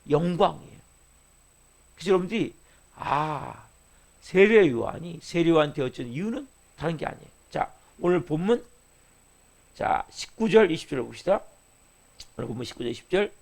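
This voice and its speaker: A man preaching at a dawn service in a high, gravelly voice. He keeps throwing questions at his listeners and jumps from forceful emphasis to quiet asides. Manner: preaching with constant rhetorical questions to the congregation; sudden swings between loud emphasis and soft asides. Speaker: pastor. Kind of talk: early-morning sermon.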